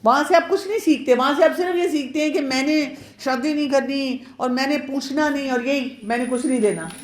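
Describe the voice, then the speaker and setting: A woman's voice: high voice, a little hiss or hum. A woman pediatrician giving a chatty, advising marriage awareness talk to women, mixing in English words. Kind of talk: informal lecture to women. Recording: roomy echo.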